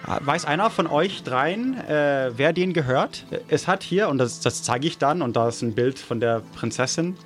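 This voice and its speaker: A man playing detective in a mystery game, casually thinking aloud in a tentative, halting way. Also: on the high side, expressive, fairly bright tone. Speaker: player acting as detective.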